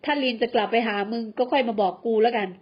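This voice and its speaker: A woman doing a calm steady young man. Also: on the high side, quick pace, breathy edge, highs cut off.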